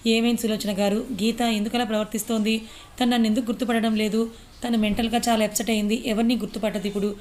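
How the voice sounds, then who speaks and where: Lady doing a blunt lady doctor, firm, flat voice. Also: fairly high pitch, quick pace, natural voice.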